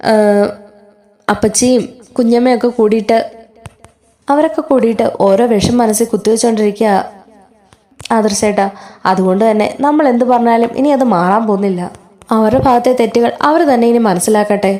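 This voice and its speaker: Woman reading as a hurt pleading young woman, earnest, mellow, slightly high. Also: brisk, long pauses, lightly acted. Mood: upset.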